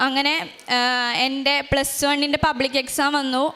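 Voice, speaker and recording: Teen girl telling her testimony, high voice, emotional and halting, lots of restarts. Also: flat delivery, sharp tone. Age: teens. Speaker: testimony giver. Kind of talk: personal testimony. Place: shrine stage.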